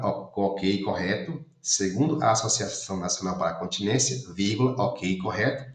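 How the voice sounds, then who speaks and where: A Brazilian man teaching, going through exam questions one by one, reading each option aloud and ruling it out. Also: on the low side. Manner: methodical, reads options aloud and rules them out. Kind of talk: commented exam walkthrough. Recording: roomy echo.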